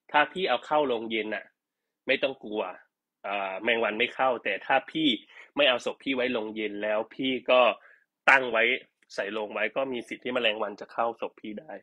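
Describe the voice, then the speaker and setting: A man's voice: medium pitch, fairly even intonation, fairly quick, pushed and bright. A man chatting casually and teasing jokingly while selling products on a live stream.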